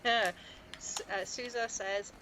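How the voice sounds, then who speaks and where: A woman's voice: medium pitch, steady tone, slow pace, noisy background. A woman with an Edinburgh Scottish accent, reading viewers' chat comments aloud on a casual live stream with frequent giggles.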